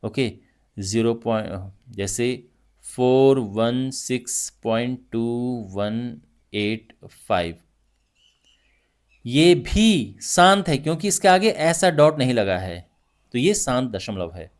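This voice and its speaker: Lively Hindi-speaking male math teacher. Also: mid-range voice, slow. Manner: lively, repetitive teaching with frequent check-ins. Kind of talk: classroom math lesson.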